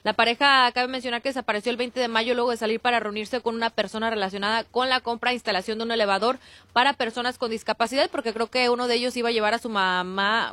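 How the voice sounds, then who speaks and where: A woman's voice: a little high, a bit bright, no echo. A woman reading news on a radio show in a conversational way, with small slips. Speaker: news co-host.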